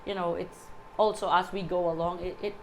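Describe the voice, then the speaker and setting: A woman in her forties, a guest in casual chat, talking in a halting way with repeated words and many "you know"s. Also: on the low side, steady tone, a little hiss or hum, poor audio. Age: 40s.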